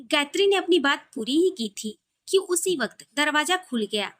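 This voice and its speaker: A woman's voice: high voice, expressive, normal speed, a bit bright. A woman storyteller reading a scripted romantic story.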